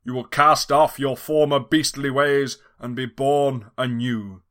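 A pompous mad scientist, as a man puts him on, drawing out each grand pronouncement at an unhurried pace. The voice rings bright and forceful, savoring every word of his comedy-story scheme. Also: mid-range voice, steady tone, close to an everyday voice. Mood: triumphant. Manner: slow, grandiose proclamations.

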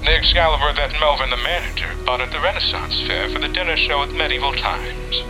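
A man playing a gruff, sardonic older treasure hunter with a dry manner in an audio drama. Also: a little high, brisk, music in the background, natural voice, low-quality recording. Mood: dry, teasing.

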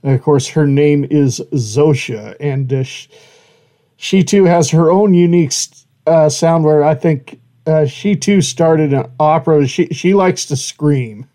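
A man with a mellow, darker voice that sits a touch high, hosting a relaxed interview. He drifts along with frequent "uh" fillers as he loosely puts his questions together. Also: a little slow. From Idaho, United States. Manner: easygoing, lots of "uh" fillers. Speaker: interviewer, show host. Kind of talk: casual interview.

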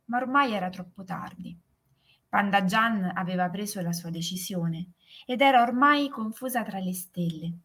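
A woman narrating a fairy tale in a calm, soothing way. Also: mid-range voice. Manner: slow, soothing, gently emphatic. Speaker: storyteller.

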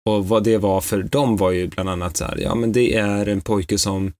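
A man co-hosting a casual chat, telling stories animatedly and acting out what people said. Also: fairly low pitch. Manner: animated storyteller who acts out quotes. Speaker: podcast co-host.

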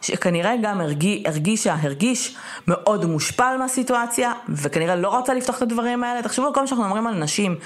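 A young woman co-hosting a podcast in casual chat, emphatic and animated, often checking in with "okay?". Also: medium pitch. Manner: animated, emphatic, peppers talk with "okay?" and "right?". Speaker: podcast co-host.

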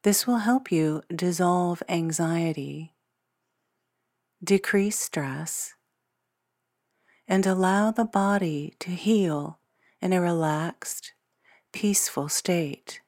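A woman guiding a scripted meditation in a gentle, soothing, soft-spoken way, leaving long pauses between short phrases. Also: on the low side, no room sound, studio quality. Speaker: meditation guide. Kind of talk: scripted guided meditation narration. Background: new-age music.

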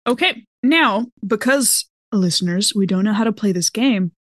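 A woman playing a tabletop roleplaying game, chatting casually and expressively as she thinks her moves out loud. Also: medium pitch, moderate pace, dry recording. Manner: expressive, exclaiming, thinks aloud.

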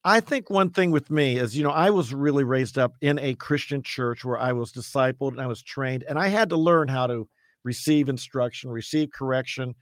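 A campus evangelist appears as a guest on a radio interview, speaking in a loud, earnest, emphatic preacher's style and frequently restarting sentences. His voice is medium in pitch at a normal speed, recorded at studio quality with no echo.

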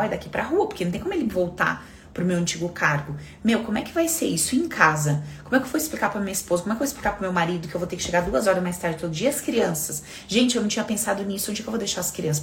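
A woman hosting a casual self-help live talk, animated and acting out inner voices, swearing casually. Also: medium pitch, slight background noise.

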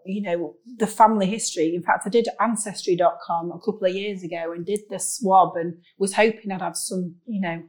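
A woman's voice: fairly low pitch, steady tone, a little fast, few pauses, darkish tone. A woman with a Manchester accent, talking earnestly as an interview guest and building emphasis through repeated phrasing. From Greater Manchester, England. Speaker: company managing director, podcast guest. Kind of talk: conversational interview.

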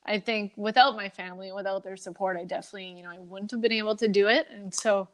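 A woman's voice: mid-range voice, steady tone, quick pace. Chatty Canadian-born woman telling her story. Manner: chatty, laughs often, many "like"s and "you know"s. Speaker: guest, Olympic hockey player. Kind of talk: casual storytelling in an interview.

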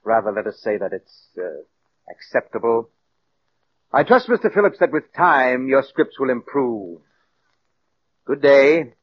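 Actor as a sneering tyrant of a director in an old radio play, muffled with hiss. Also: male voice, medium pitch, expressive, unhurried, long pauses, lightly acted. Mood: condescending. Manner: cold, condescending, cutting. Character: cold, sarcastic, domineering male radio director.

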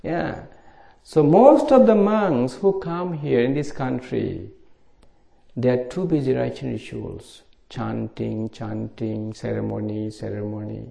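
A middle-aged Buddhist monk from Bangladesh gives an informal dharma talk in simple English at a meditation retreat, his Bangladeshi accent clear. His mid-range male voice is slow with vocal fry, and a crowd can be heard in the background.

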